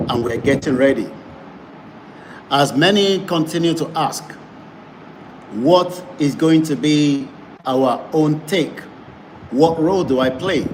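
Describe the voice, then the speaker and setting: A man hosts an online campaign broadcast, pressing his points in an emphatic, repeating manner. His voice sits at an ordinary pitch. Clear background noise runs under the recording. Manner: emphatic, repetitive campaigning delivery. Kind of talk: advocacy broadcast. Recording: noisy background.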